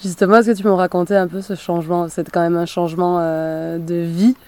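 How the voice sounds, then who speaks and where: A woman's voice: fairly low pitch, flat delivery, fairly quick, warm tone, dry recording. A woman hosting a podcast, asking informal, friendly questions in a casual interview, recorded outdoors in a garden. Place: sunny garden in the mountains, outdoors.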